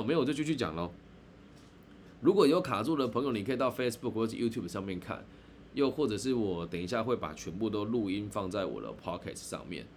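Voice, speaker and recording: Animated Taiwanese man telling a story. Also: lowish voice, slight background noise. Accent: Taiwanese Mandarin. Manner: chatty, drawn-out phrases with frequent sentence-final particles. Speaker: podcast host. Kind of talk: live-streamed personal storytelling.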